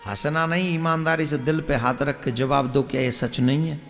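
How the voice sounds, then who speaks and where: A man's voice: on the high side, fairly even intonation, moderate pace, a bit bright. A man giving a devotional discourse as a Hindu preacher. He tells stories dramatically, acts out family scenes and keeps quizzing his listeners. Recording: reverberant hall with faint music.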